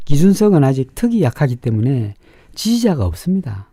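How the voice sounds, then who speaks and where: A middle-aged man speaks in a very dark, muffled-toned voice with a raspy edge. His pitch moves in lively swings as he explains and judges, leaning hard on key words. The recording is close and dry. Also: a little fast, no echo. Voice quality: sharp-edged, raspy. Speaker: fortune-teller and face reader hosting a show. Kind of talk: informal explanatory commentary.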